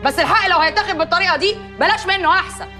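A woman's voice: very high-pitched, very fast, bright, forceful tone. An actress playing a stern woman who scolds and lectures her relatives with an Egyptian accent. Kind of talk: TV drama acting. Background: music.

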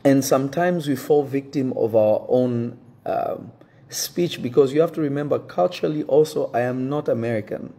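Earnest, husky-voiced pastor, French native speaker. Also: male voice, mid-range voice, warm tone. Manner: earnest, measured, restarts to pick his words. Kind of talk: direct-to-camera address to his congregation. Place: indoor room with wooden shelves.

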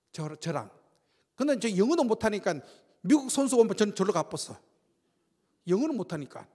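An older man giving a lively sermon testimony in a church, telling stories with shouts and sound effects. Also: sits high. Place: church sanctuary. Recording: long church-hall reverb.

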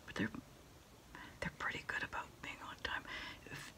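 A middle-aged woman in a quiet ASMR roleplay as an order taker, murmuring in a halting, breathy whisper. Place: small indoor room at a desk.

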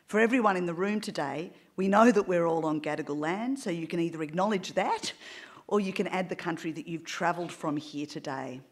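A middle-aged woman hosts an event in a large auditorium, making a formal, measured introduction at a lectern. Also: lowish voice. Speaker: event host. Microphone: lectern microphone.

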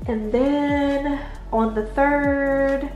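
A woman with a stuffed-up, congested voice talks her viewers through a planner in a slow, unhurried way, calling them y'all. The room echoes around her, and faint music plays underneath. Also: high-pitched, fairly even intonation, darkish tone, muffled recording. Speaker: budget planning vlogger. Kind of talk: casual chat while writing in a planner. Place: indoors at a desk at home, late at night.

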